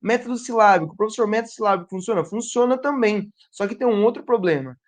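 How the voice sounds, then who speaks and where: Man sounding out syllables as a teacher. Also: sits high. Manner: animated, sounds out letters and syllables slowly; asks the audience rhetorical questions. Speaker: literacy teacher. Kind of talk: teaching lesson to educators and parents.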